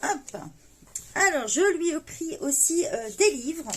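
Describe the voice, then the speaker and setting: A woman's voice: high voice, animated, slow, fairly bright tone, a little hiss or hum. A woman chatting casually as she unboxes a parcel of coloring books, full of fillers and delighted little exclamations. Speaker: coloring book haul vlogger.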